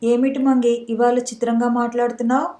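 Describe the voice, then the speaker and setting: A woman's voice: a little high, little pitch movement, brisk, mellow, roomy sound, lightly acted. Woman voicing a troubled young doctor.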